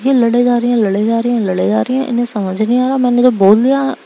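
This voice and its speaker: A woman's voice: fairly high pitch, fairly even intonation, fast, vocal fry, dark tone. A woman voicing a stubborn, possessive young woman who insists indignantly in a storybook reading.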